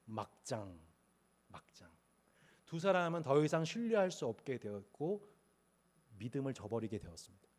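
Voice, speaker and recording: A man's voice: medium pitch, darkish tone. A male pastor preaching a sermon, telling a story, acting out the voices in it and asking the congregation questions. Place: church sanctuary.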